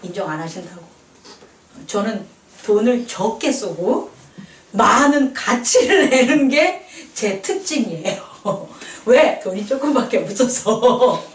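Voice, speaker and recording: In a slow sermon, a woman pastor preaches with a high, lively voice that swings up and down, acting out little quoted voices and laughing between points. She's picked up from a distance, and her voice rings around an echoey church hall.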